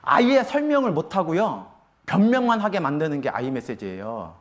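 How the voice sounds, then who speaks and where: A man's voice: fairly high pitch, big pitch swings, moderate pace. A man teaching a church parenting class, walking through the steps and acting out what a mother might say. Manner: explains steps, acts out a mother's lines. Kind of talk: Bible class lecture.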